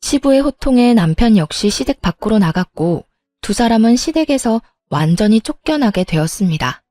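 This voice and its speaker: A woman's voice: medium pitch, mellow, no room sound, studio quality. A woman narrating her own story in the first person, firm and matter-of-fact.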